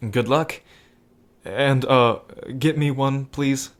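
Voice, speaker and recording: A man's voice: mid-range voice, takes it slowly, close to an everyday voice. A man playing a devoted, playful ally in a romantic audio drama, with an affectionate, casual and teasing manner. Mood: playful, flirty. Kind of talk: scripted romantic audio roleplay spoken to the listener.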